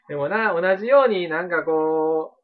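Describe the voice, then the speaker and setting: A man's voice: sits high, narrow, tinny audio. A man with a Kansai accent hosting a casual chat show, talking in a rambling, emphatic way and repeating himself. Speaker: radio talk show host.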